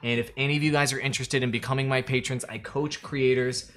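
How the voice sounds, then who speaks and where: A man's voice: medium pitch, steady tone, quick pace, fairly bright tone, a little hiss or hum. A man talking casually to his viewers on a live stream, advising creators and thanking his patrons. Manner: chatty, addresses viewers directly, promotes patrons. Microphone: desk mic, pulled in closer later.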